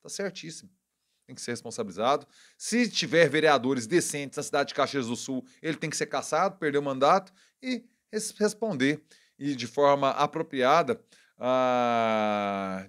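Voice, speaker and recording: This Brazilian Portuguese-accented man has a mid-range voice and runs a channel of casual political commentary. Indignant yet wry, he keeps catching and fixing his own words.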